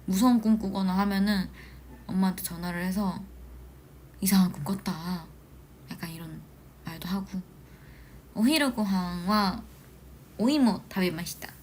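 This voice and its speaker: A young woman in her twenties, an idol hosting a casual livestream from a small room at home, chatting and telling animated stories. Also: medium pitch, a little slow, pauses often, a little hiss or hum. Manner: chatty, animated storytelling with shouted quotes. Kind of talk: casual livestream chat reading comments.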